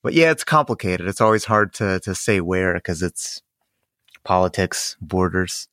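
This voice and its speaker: A man in his thirties, raised in Ohio after an early childhood in Ukraine, talking thoughtfully as a podcast guest and often trailing off softly. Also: deep voice, animated, unhurried, no echo, studio quality. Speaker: guest, circus performer. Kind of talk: casual interview chat.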